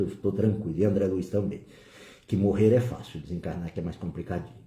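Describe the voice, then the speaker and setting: A middle-aged Brazilian man giving a spiritist talk, telling a personal story with lively, emotional quoted dialogue. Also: mid-range voice, roomy sound. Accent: Brazilian Portuguese. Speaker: spiritist lecturer. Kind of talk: storytelling lecture.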